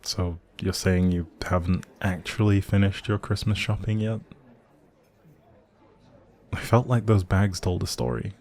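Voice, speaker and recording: A man's voice: low voice, a little slow, pauses often, a little mellow. A man playing a grumpy but secretly sweet young barista in an intimate audio roleplay, speaking straight to the listener in a teasing, wry, bookish way. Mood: curious, chatty. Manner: teasing, wry, hesitant asides.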